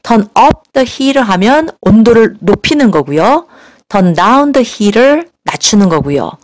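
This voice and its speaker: A woman teaching an English lesson, explaining politely and patiently, slowing down to model phrases for learners to repeat. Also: a little high, sing-song, no room sound, clean studio sound. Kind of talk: recorded language lesson.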